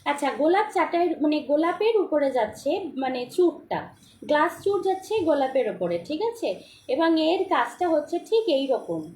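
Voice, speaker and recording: A hoarse woman hosting a live-stream jewellery sale, repeating prices and often checking that viewers follow. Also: high voice, very animated, a little fast, a little mellow, echoey room, slight background noise. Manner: repetitive, keeps asking for confirmation. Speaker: jewellery seller. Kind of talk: live-stream sales pitch.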